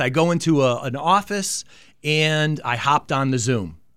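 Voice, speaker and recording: In a plain, everyday voice, a man with an American accent speaks at a fairly high pitch with lively intonation, recorded very cleanly over a silent background. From Connecticut, Manchester. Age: 50s. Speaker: school superintendent candidate. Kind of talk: interview. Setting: studio.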